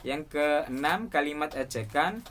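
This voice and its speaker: Young male student presenter; reads a class assignment aloud in an even, explanatory way. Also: on the high side, unhurried. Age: young adult. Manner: steady, explanatory listing of points.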